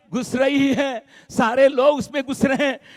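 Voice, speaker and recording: Here a man speaks in a Bihari accent at an extremely high pitch. The recording is dry and close, with no echo. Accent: Bihari Hindi. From South India. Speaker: preacher. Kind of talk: sermon.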